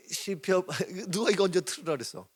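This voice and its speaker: A man's voice: sits high, husky. A middle-aged male pastor giving a casual early-morning sermon, chatty and teasing, sometimes rising to emphatic exclamations. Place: church sanctuary.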